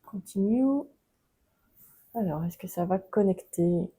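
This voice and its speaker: A woman's voice: mid-range voice, slow, husky, poor audio. A woman with a French accent, chatting casually through a book-crafting tutorial with frequent hesitations. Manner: relaxed, chatty, many hesitations.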